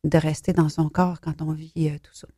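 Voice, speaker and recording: A woman from Belgium telling her life story as an interview guest, soft-spoken and hesitant, sometimes dropping almost to a whisper. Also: sits low, flat delivery, normal speed, slightly rough, no room sound, studio quality. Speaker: author guest. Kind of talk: personal testimony in an interview.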